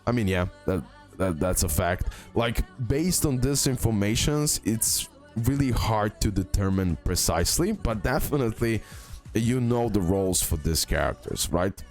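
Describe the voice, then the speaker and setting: Deep voice guy, casual gaming youtuber thinking out loud, bit of music behind. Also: expressive, normal speed. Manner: hesitant, thinking aloud, repeats phrases for emphasis. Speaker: video game YouTuber. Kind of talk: casual game tier-list commentary. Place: indoor screen-recording voice-over.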